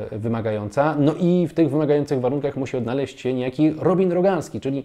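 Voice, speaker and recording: Against a quiet background, a man's dark, mellow voice moves with lively intonation. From Poland. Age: 20s. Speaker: motorsport commentator. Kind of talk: solo video commentary. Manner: frequent filler hesitations. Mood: calm, explanatory. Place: home room. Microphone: lapel.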